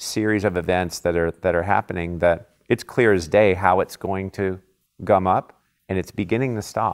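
Here a man talks at a moderate pace with a very deep, low pitch. The background is quiet. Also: fairly even intonation. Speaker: interviewee. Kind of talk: interview answer. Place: home room. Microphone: lapel.

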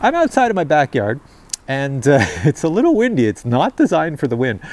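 Very wide pitch swings mark this man's speech. He talks at a very fast pace. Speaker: drone reviewer. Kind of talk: tutorial. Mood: cheerful, amused. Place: garden. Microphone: lapel.

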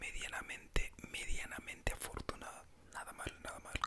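Whispering, a man speaks at a moderate pace. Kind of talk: comedic roleplay, talking to imagined clients. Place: home room. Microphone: studio mic.

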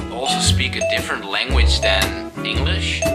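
A man is speaking. Loud music plays behind him. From Netherlands. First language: Dutch. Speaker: vlogger. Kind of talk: casual talk to camera. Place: home room. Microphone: phone near.

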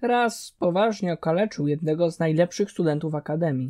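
A dramatic tone at a moderate pace, in a very clean recording with a silent background. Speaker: audiobook narrator. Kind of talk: audiobook reading of a fantasy novel, narration. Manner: measured, dramatic storytelling pace.

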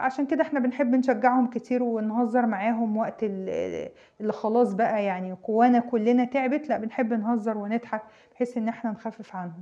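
A woman talks in an ordinary speaking voice. Her pitch is fairly high. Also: moderate pace. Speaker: primary school teacher. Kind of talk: advice talk to parents.

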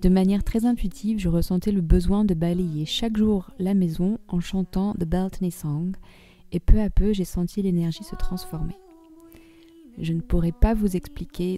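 A woman talks at a moderate pace in a calm, gentle tone, her pitch medium with ordinary variation. Noticeable background noise runs under the recording. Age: 30s. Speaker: crafter and musician vlogger. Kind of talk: scripted narration.

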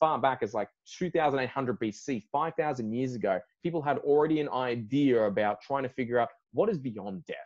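Fairly quick speech with an Australian accent, ordinary pitch variation, and a dry sound with no echo against a quiet background. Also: man. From Sydney, Australia. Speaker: archaeologist; guest. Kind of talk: interview. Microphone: video call.

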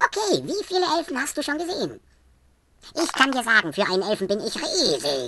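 A put-on character voice sounds female, with a high pitch. It moves at a fairly quick pace. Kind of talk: comic fantasy audio play. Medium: read story. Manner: testy, condescending, dry.

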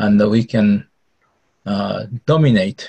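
Against a quiet background, a man speaks at a very slow pace in a somewhat breathy voice. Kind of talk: prayer. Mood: reverent, calm. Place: home room. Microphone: video call.

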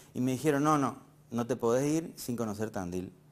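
His pitch shows ordinary variation. This man delivers his words at a moderate pace. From Argentina, Corrientes and Misiones; Argentina. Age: 30s. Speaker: motorcycle traveler; guest. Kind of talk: interview. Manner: halting. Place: studio. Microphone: lapel.

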